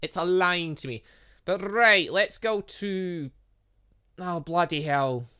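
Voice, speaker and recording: A man's voice: high-pitched, slow pace, pushed and bright, smooth. A man doing let's play commentary on a game, reading on-screen text aloud and muttering asides as he stumbles over it. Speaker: gaming YouTuber playing a visual novel.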